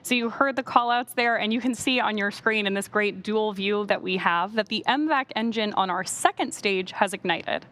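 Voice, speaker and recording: A woman's voice: medium pitch, moderate pace, few pauses, a bit bright. A woman hosting a live launch webcast, explaining things step by step as commentary.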